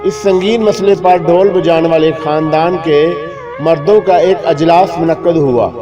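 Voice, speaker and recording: A man reading a scripted humorous moral tale in a measured, literary, mock-solemn storytelling manner. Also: fairly high pitch, steady tone. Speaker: story narrator. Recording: dull lo-fi recording with music behind. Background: clear background music.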